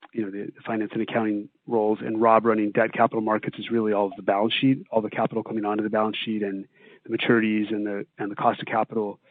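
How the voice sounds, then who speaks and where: A man answers investor questions as a company executive, with a flat, even pitch and a measured, halting delivery. His voice comes over a tinny phone line with a roomy echo. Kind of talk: answering questions on an earnings call.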